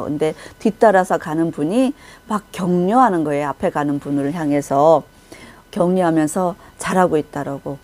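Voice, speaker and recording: A middle-aged woman giving a Christian testimony, vividly recounting a vision and acting out the people in it. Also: fairly low pitch. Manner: vivid storytelling, acting out shouted quotes. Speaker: testimony speaker.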